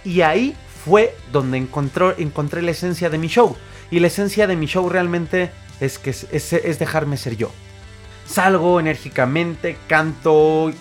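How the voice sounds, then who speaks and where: A man with a Mexican accent, a podcast host and singer, telling stories in a casual, animated monologue full of fillers and restarts. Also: fairly high pitch, unhurried, soft background music. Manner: animated storyteller, acts out quoted voices, frequent fillers and restarts.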